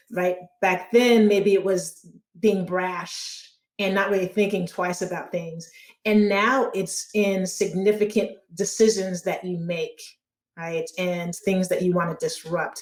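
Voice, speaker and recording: A woman with an ordinary speaking voice talks at a fairly slow pace, using a medium pitch and fairly even intonation. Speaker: podcast host. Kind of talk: podcast interview.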